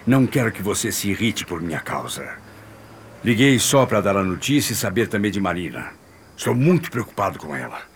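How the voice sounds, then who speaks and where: An actor playing a humble, grieving middle-aged husband in a radio soap, restrained and apologetic. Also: male voice, lowish voice, big pitch swings, brisk, slight background noise. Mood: subdued, worried. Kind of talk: radio soap opera acting.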